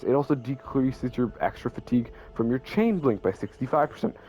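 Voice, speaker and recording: A man's voice: medium pitch, darkish tone, highs cut off, a little hiss or hum. A young man casually explaining his game builds as a YouTuber, rambling and correcting himself as he goes. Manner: rambling, self-correcting, stutters. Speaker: gaming YouTuber.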